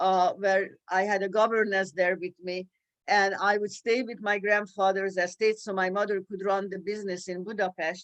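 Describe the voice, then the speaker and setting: Her intonation monotone, flat, a woman talks at a medium pitch. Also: moderate pace. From Hungary. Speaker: Holocaust survivor. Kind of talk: testimony.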